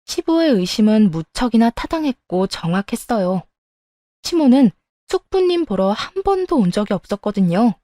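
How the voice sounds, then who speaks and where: A woman narrating a personal family story in a calm, scripted storytelling voice. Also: fairly high pitch, normal speed, no echo.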